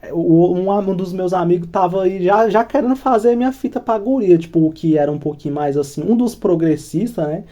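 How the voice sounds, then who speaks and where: A man's voice: sits high, a little fast, few pauses, warm tone. A Brazilian man telling a crude, rambling personal story in casual slang as the host of his channel. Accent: Brazilian Portuguese.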